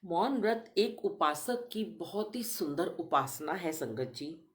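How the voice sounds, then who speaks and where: A middle-aged woman giving a gentle devotional talk to her congregation, telling personal stories. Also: fairly low pitch, lively intonation, takes it slowly. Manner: gentle storytelling, addresses listeners as "sangat ji". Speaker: spiritual speaker addressing congregation.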